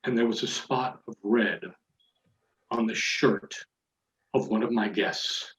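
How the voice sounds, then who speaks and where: A man telling a mock-serious tall tale as a theatrical storytelling speech, with dramatic pauses and deliberate phrasing. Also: lowish voice, steady tone, a bit bright. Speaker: Toastmasters contest speaker telling a tall tale. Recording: echoey room, dull muffled audio.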